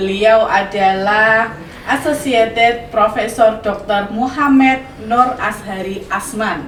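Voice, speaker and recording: Very slowly, a woman speaks at a fairly high pitch, with audible room echo and noticeable background noise. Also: ordinary pitch variation. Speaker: podcast host, lecturer. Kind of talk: podcast interview. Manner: formal.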